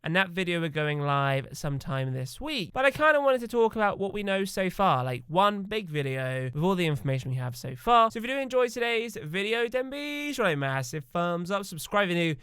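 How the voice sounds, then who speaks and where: A man's voice: high voice, sing-song, fairly quick, few pauses, a bit bright, clear, resonant tone, no echo, studio quality. Slightly nasal man with a cold. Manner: chatty, rambling with fillers. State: has a cough from a cold. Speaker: gaming video creator. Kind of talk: casual talk to camera.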